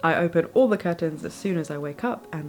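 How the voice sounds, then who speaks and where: A woman speaks with a British accent at a fairly quick pace. Noticeable noise sits in the background. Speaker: junior doctor. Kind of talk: casual talk to camera.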